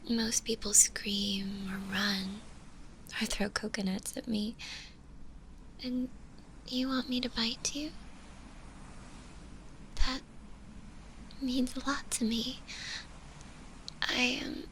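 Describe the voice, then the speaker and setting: A woman playing a shy, gentle, lovestruck zombie girl in an intimate ASMR roleplay, speaking hesitantly and tenderly. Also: on the high side, little pitch movement, slow pace, pauses often, slight background noise, poor audio. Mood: unsure, shy.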